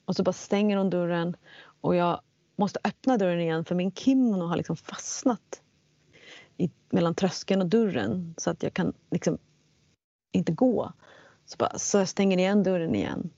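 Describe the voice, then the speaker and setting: A woman recounts a personal story in an animated, casual way, slipping into voices for the people she quotes. Her low, gravelly voice sits close and dry on a slightly dull recording. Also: no room sound. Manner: animated, acts out quotes in English. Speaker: guest telling a personal story.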